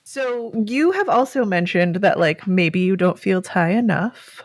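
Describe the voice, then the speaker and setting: A woman's voice: mid-range voice, lively intonation, measured pace, no echo. A woman hosting a podcast, asking thoughtful questions in a casual chat full of fillers. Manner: thoughtful, uses many fillers. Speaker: podcast host.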